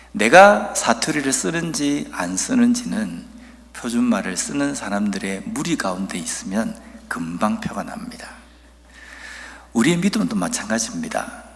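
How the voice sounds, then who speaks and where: A man from Busan, South Korea, with a Busan accent, preaching a sermon as a pastor, telling stories earnestly and reading scripture slowly and emphatically. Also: mid-range voice, in a large hall. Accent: Busan dialect.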